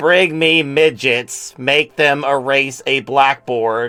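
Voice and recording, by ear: A man puts on a robotic character voice at a medium pitch, with fairly even intonation. He speaks at a very slow pace.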